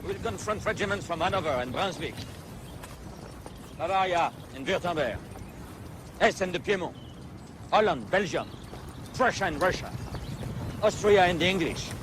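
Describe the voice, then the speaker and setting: An actor playing a male emperor giving brisk, authoritative battle orders to his officers, with music behind. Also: high voice, lively intonation, background noise. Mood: commanding. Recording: film soundtrack with music.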